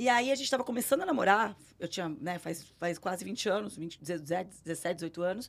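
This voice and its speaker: Using a normal speaking voice, a woman talks at a moderate pace with lively intonation. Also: medium pitch for a woman. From Santos, Brazil. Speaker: entrepreneur. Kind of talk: interview. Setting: studio.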